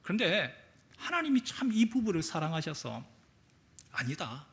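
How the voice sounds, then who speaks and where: Male pastor, sermon delivery; lively, swooping pitch, storyteller who acts out quotes. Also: moderate pace. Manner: animated storytelling, acting out quotes. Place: church sanctuary.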